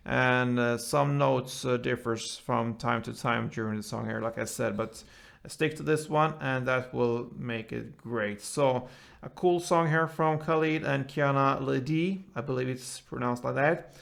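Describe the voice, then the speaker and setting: Slow, gravelly man teaching guitar. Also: medium pitch, fairly bright tone. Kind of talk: step-by-step instrumental tutorial. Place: indoors, small room, seated with guitar. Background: acoustic guitar playing.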